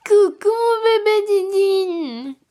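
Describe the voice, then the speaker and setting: A woman putting on a squeaky baby voice for her cat. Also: lively intonation, takes it slowly, dark tone, heavily acted. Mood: cooing. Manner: cooing baby talk to a cat.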